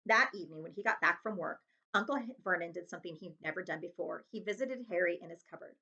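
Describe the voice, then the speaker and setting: A woman reading a children's chapter book aloud as host, with expressive narration. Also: lowish voice, quick pace, muffled recording.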